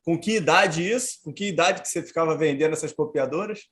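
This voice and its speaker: A man's voice: a little high, fast, fairly bright tone. A man hosting a podcast, asking his guest questions in a loose, informal way. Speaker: podcast host. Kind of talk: casual interview conversation.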